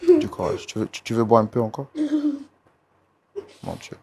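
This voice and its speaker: A man's voice: medium pitch, wildly swooping pitch, moderate pace. A male talk show host on a studio set, pleading and soothing a guest over and over in an emotional testimony show. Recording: noisy studio recording.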